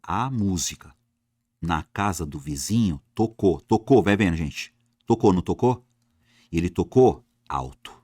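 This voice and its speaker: Unhurried and low-voiced, a man delivers an exam-prep grammar lesson, with clean studio sound and no echo. He talks to his students directly with lively energy, asking questions and supplying the answers himself.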